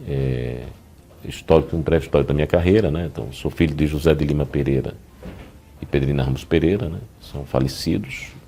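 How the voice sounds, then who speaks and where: Over noticeable background noise, a man with a very deep, low pitch talks at a fairly quick pace, broken by long, frequent pauses. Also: ordinary pitch variation. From Brazil, Natal (Rio Grande do Norte). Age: 60s. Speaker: labor prosecutor. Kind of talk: oral history interview. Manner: halting, with fillers.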